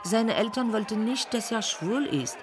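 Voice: medium pitch, animated, measured pace, a crowd in the background, background noise, natural voice. A performer playing a worldly drag queen in a radio play, reminiscing about a former lover in a wry, confiding manner. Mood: confiding, rueful. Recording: music behind the voice.

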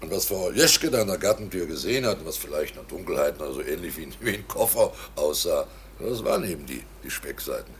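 Radio drama: deep-voiced wily innkeeper suspect, ingratiating, halting explanations, faint background noise. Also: male voice, lively intonation. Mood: ingratiating, evasive. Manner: ingratiating, hesitant, explaining himself. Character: wily village innkeeper, a suspect protesting innocence. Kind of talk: German radio drama acting.

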